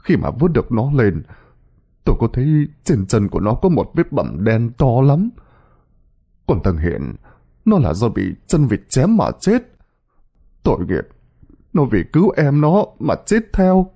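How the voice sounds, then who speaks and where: A man's voice: wildly swooping pitch, measured pace, gravelly, long pauses, slightly rough, dull audio, full character voice. A man doing a tearful old fisherman. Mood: sorrowful. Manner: low, subdued, near tears.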